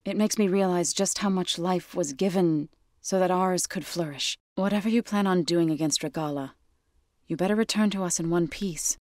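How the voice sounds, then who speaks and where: Actress as tribal warrior woman, lowish voice, gentle but resolute, measured solemn delivery, dry close studio sound, video game dialogue. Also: no room sound, natural voice. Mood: earnest, calm. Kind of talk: scripted game character dialogue. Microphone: close studio microphone.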